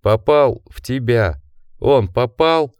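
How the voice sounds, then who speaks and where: A man voicing a dying, gentle male werewolf who speaks slowly, stressing each word, weak and fading. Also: medium pitch, lively intonation, clean tone, no echo, studio quality. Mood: tender, fading.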